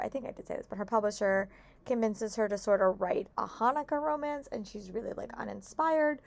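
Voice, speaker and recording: A young woman chatting casually in a book vlog, hoarse from a long day of talking at work, upbeat with lots of "like" and restarts. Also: medium pitch. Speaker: book vlogger. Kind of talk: casual vlog check-ins.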